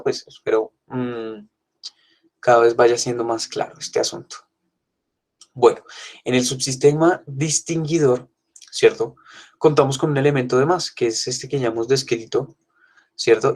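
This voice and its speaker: A man teaching a university phonetics class, explaining casually and often checking in with his students. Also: medium pitch. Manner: casual explanatory, many fillers like "digamos" and "¿cierto?". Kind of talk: university online class lecture.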